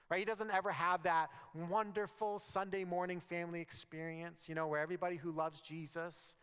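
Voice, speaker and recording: A man preaching a sermon as pastor, conversational and animated, sometimes dropping to a near-whisper for emphasis. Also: fairly high pitch, smooth. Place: church sanctuary. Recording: long reverb of a church hall.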